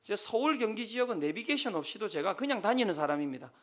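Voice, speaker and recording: A man preaching a Sunday sermon as pastor, lively and emphatic, at times shouting as he acts out counseling talks. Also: sits high, quick pace.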